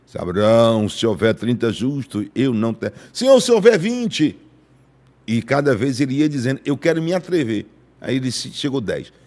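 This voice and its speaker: A man from Brazil preaching a prophetic sermon on a live stream, fervent, dropping to hushed tones and rising to booming cries. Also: a little fast.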